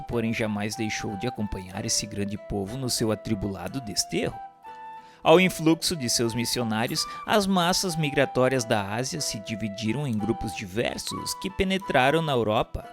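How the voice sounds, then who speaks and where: A man with a Brazilian accent reads a scripted narration in a solemn, formal, declamatory way. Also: mid-range voice. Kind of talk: scripted narration, audiobook-like reading of a religious history text. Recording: voice over instrumental guitar music. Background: instrumental music with guitar.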